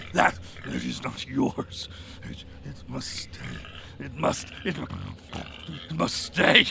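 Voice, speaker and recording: A man puts on a guttural character voice, very deep and low in pitch, speaking very slowly over clear background noise. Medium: solo performance. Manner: sluggish, stammering.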